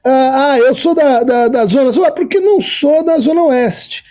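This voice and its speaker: A man's voice: very high voice, moderate pace, dull audio. A Brazilian man, a psychoanalyst guest, explaining ideas in a podcast interview. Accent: Brazilian Portuguese. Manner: explanatory, lively intonation.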